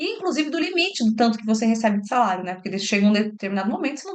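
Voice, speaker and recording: A woman's fairly high voice with lively intonation. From São Paulo, Brazil. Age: 40s. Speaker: career mentor and influencer. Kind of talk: podcast interview.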